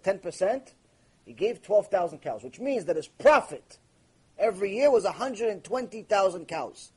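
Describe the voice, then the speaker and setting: Husky-voiced rabbi asking and answering himself. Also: male voice, sits high, darkish tone. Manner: asks questions and answers them himself, emphatic and storytelling; mixes Hebrew terms into English. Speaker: rabbi teaching a Torah class. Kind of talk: lively recorded Torah lecture.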